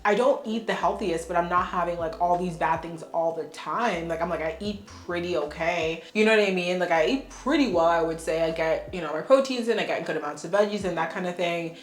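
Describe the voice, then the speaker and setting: A woman's voice: lowish voice, fairly quick, hardly any pauses. A young woman vlogger chatting casually and frankly while doing her makeup, sounding congested and laughing often. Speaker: beauty vlogger. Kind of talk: casual get-ready-with-me chat. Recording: echoey room.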